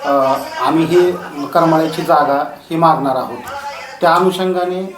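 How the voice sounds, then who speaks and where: A man's voice: on the high side, moderate pace, recorded from a distance, a crowd in the background. A man working as a local news reporter, asking polite, hesitant questions. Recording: roomy, off-mic with faint ambience.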